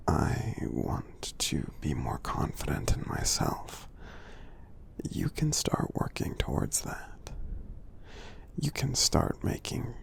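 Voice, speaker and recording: A man voicing a kindly, encouraging giant for ASMR affirmations, in a soothing, breathy, gravelly whisper. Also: extremely low pitch, exaggerated voice. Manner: slow, soothing, gently earnest. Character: kindly giant friend, gentle, reassuring, encouraging.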